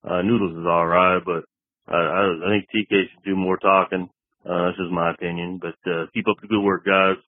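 A deep, monotone male caller, as a man puts him on, halting and hesitant, full of little pauses. The sound is thin and tinny like a phone voicemail, dry with no room around it. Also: no room sound. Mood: friendly. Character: mellow male caller, laid-back and polite.

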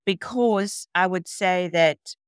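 Woman, South African accent, low register, reflective conversational interviewee, dry recording. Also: slow pace, clear, resonant tone, no room sound. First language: Afrikaans. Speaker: interview guest, nurse.

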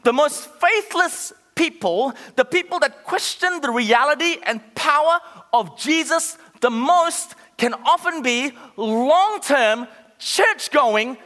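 A man preaching a sermon as pastor, impassioned, with shouted peaks and calls to the congregation. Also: very high voice, expressive, takes it slowly. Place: church auditorium. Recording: reverberant church hall.

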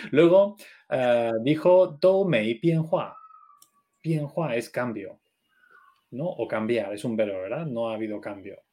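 A man on a language-learning podcast, talking in an easy conversational way. He keeps asking questions and checking each point as he goes. His pitch sits in a middle range. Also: measured pace, warm tone, slight background noise. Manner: asks questions and checks understanding. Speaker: co-host of a Chinese learning podcast. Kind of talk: casual language lesson chat.

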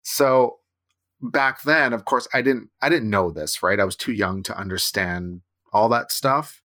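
A Canadian man in his thirties co-hosts a casual chat, his voice on the low side, a little slow, pushed and bright. He rambles, restarts sentences often, and keeps tagging on "right?"

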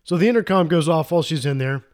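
A man's voice: a little high, expressive, fast, a little mellow. Rambling enthusiastic man recapping a film. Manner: rambling, self-interrupting, enthusiastic. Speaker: podcast co-host. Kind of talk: casual movie recap chat.

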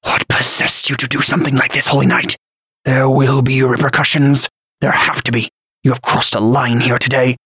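A man's voice: mid-range voice, flat delivery, normal speed, pushed and bright, husky, no echo, studio quality, full character voice. A man voicing an indignant, frightened bishop in an audiobook, spluttering and pleading. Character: indignant, terrified male bishop pleading and blustering. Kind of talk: audiobook character acting.

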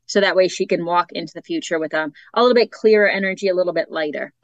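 A woman's voice: fairly low pitch, fast talker, no echo, lo-fi sound. A woman with a Boston accent, a psychic guest chatting casually about her offerings and readings. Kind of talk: casual chat.

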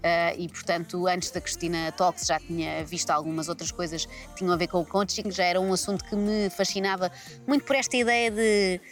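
Portuguese woman comedian, dry ironic chat, rattles along quick, faint music under. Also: fairly low pitch, fairly even intonation. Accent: European Portuguese. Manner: ironic, skeptical, quick-talking. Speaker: comedian guest. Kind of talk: casual interview talk. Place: large empty arena.

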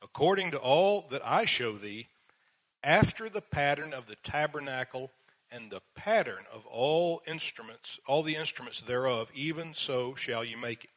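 A man teaching the Bible verse by verse, reading passages slowly and then explaining them with dry sarcastic asides. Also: medium pitch, lively intonation, fairly bright tone.

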